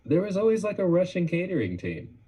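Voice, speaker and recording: A man's voice: high-pitched, big pitch swings, brisk, warm tone, husky, low-quality recording. A man on a casual live hangout, telling laid-back anecdotes. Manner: laid-back anecdotal storytelling, laughs easily. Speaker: band member on a live hangout. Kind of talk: casual livestream chat.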